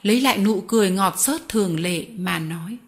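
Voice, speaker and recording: A woman reads a novel aloud in the first person, telling the story with a steady, expressive delivery. Her voice sits at a middle pitch for a woman, neither high nor low. It is audiobook-style narration. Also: fairly quick.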